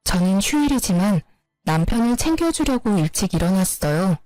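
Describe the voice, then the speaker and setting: A woman tells a first-person story in a plain, even voice at a middle pitch. The sound is close and dry, with a faint music bed underneath. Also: normal speed, no room sound, poor audio. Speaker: narrator.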